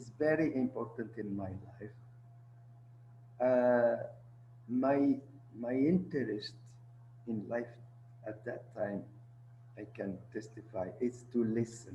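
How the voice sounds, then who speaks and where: At a very slow pace with long, frequent pauses, a man of medium pitch speaks somewhat breathily in a dark, mellow tone with fairly even intonation. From Morocco, Asila. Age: 80s+. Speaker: artist. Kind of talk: interview talk on his life. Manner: halting, with repetitions.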